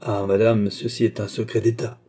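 A man with a husky, dark voice reading a grave, deferential male jeweller at court in an audiobook. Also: fairly low pitch, level tone, normal speed. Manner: formal, solemn.

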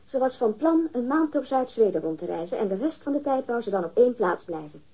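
A woman's voice: fairly high pitch, big pitch swings, fairly quick, full character voice. An actress in a radio drama playing a curt, impatient woman being questioned. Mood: cool, impatient. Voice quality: husky. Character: curt, impatient female witness under questioning. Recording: dull, lo-fi radio sound.

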